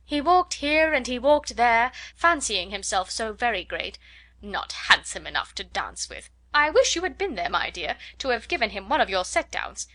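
An effusive, gossiping middle-aged mother, put on by a woman reading a storybook, her voice pitched high and ringing. She rushes breathlessly from one excited remark to the next. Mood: indignant.

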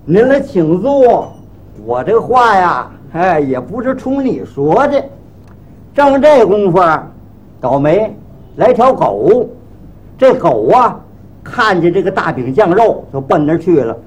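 A man's voice: high-pitched, unhurried, breathy edge, poor audio. A male comic performer telling a crosstalk story in the first person, acting out his own exasperation with a bumbling barber. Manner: lively, exasperated comic narration.

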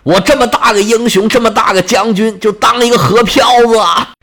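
A man voicing a boastful young male warrior hero who pleads and shouts desperately to the gods. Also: high voice, brisk, voice pushed up. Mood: desperate pleading.

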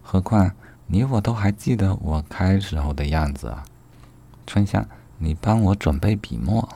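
A man voicing a frail, lovesick young lady who speaks softly and wistfully. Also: sits low, expressive, moderate pace, creaky, slightly rough, full character voice. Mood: resigned. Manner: soft, wistful.

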